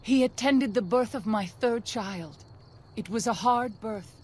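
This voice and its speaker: A woman's voice: on the high side, measured pace, breathy edge. An actress playing a devout, formal-spoken tribal woman and mother in a video game. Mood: reverent. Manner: formal, reverent. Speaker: game character.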